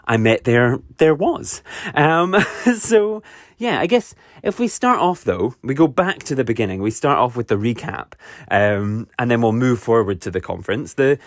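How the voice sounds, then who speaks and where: A Scottish man hosts a solo podcast in an eager, meandering way, circling back on himself with ums and restarts. His voice sits at an ordinary middle pitch. It is recorded close and dry, with almost no room sound. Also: expressive, normal speed, no echo. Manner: enthusiastic, rambling, many fillers and restarts. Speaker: podcast host. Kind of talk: casual solo podcast recap.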